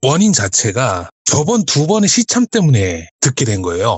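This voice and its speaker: A man's somewhat breathy voice at a fairly high pitch, with very wide pitch swings and a moderate pace. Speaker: storyteller guest on horror radio. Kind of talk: storytelling. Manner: changed intonation from voice training.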